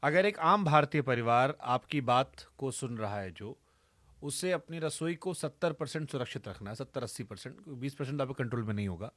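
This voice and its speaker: A man's voice: mid-range voice, lively intonation, brisk, fairly bright tone, dry recording. A man hosting an interview, asking long questions that set up each topic. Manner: asks long, framing questions. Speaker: interviewer host.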